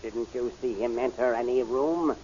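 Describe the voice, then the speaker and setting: An actor playing a scheming, impatient army general in a theatrical 1930s radio serial style. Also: male voice, mid-range voice, normal speed, warm tone, breathy edge, lightly acted. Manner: commanding, theatrical. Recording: muffled, hissy 1930s radio recording.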